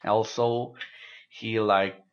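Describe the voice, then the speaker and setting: A man from Mexico, a native Spanish speaker, talks in English in a slow, deep voice. He recalls things haltingly, with frequent restarts. The sound is a little dull and lo-fi. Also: little pitch movement, clean tone. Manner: measured, halting recollection with restarts. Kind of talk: casual conversation.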